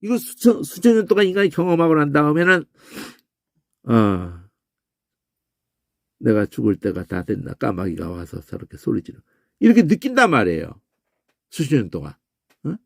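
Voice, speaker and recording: A man teaching a Bible word-study lecture, animated, often breaking into a questioning "eh?" and imitating crow calls and shouts. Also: mid-range voice, normal speed, creaky, long pauses, no echo, clean studio sound.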